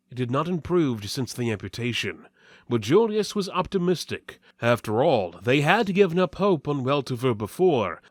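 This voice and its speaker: A man narrating a mock-epic fantasy tale as a dramatic reading, theatrical and solemn with deliberate emphasis. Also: mid-range voice, dry recording, studio quality. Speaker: story narrator.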